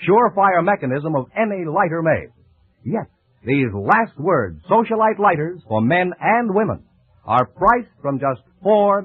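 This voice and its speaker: A man announcing on a 1940s radio show, reading sponsor pitches and game updates. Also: slightly rough, no room sound. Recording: muffled, dry old radio recording.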